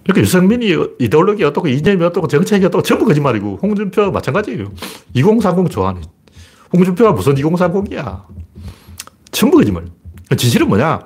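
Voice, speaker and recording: Husky, animated male commentator. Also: high voice, quick pace. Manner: sarcastic and mocking, with scoffing asides and short laughs. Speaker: political commentator. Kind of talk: casual spoken commentary.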